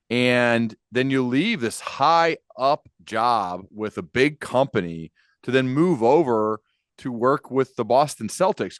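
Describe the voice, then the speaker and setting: A man's voice: medium pitch, no echo, clean studio sound. A man hosting a podcast, asking long, curious questions in an informal conversational way. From Ohio, United States. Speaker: podcast host, interviewer. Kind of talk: conversational interviewing.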